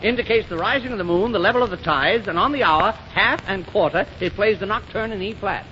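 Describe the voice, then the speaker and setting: A man's voice: high voice, fairly quick, pushed and bright, muffled recording. A man doing 1930s radio comedy, talking in boastful, blustering rambles. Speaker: comic regular. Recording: scratchy 1930s radio broadcast with hiss.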